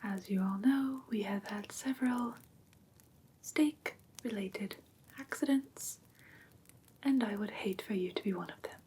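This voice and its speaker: A woman playing a gentle, prim vampire teacher in whispered ASMR roleplay, breathy and careful, close to the microphone. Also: mid-range voice, unhurried, long pauses. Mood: gentle, instructive. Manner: soft, careful, instructive, politely formal. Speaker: ASMR performer.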